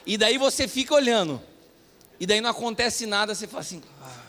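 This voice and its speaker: A Brazilian pastor preaching a sermon, telling a self-mocking story in an animated way. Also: male voice, high voice, fast talker. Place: church hall. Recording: long reverb of a church hall.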